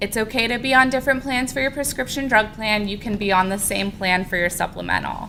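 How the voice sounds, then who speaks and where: A woman talks very fast at a fairly high pitch, with hardly any pauses and ordinary pitch variation. Light background noise sits behind her. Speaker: Medicare counselor training volunteers; presenter. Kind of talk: training presentation. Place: meeting room. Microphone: podium.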